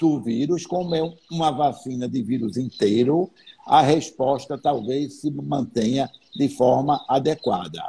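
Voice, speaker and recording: A man with a fairly high pitch and a dark, mellow tone speaks at a very slow pace, somewhat breathy, with ordinary pitch variation. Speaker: pediatrician. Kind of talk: expert interview on live stream.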